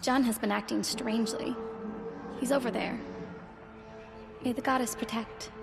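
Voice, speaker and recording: A woman playing a gentle, devout tribal healer in a video game, courteous and slightly formal. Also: fairly high pitch, steady tone, moderate pace, vocal fry. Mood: glad, gentle. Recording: music behind the voice.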